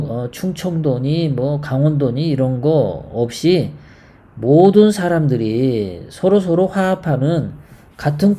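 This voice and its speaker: Live stream commentary host; slow delivery, mellow voice, halting, many fillers, rhetorical questions to the audience. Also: medium pitch. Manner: rambling, poses rhetorical questions to viewers.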